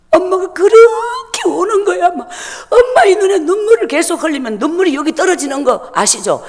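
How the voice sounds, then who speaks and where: A woman giving a personal testimony at a church service, telling her story vividly and emotionally. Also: high-pitched. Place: church sanctuary. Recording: long church-hall reverb.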